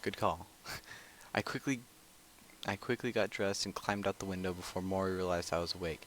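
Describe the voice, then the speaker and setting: A man reading a visual novel aloud with casual asides, often stumbling, repeating phrases and clearing his throat. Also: low-pitched, fairly even intonation, moderate pace, slight background noise. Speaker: let's player reading a game aloud. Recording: loud music over the voice. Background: loud game music.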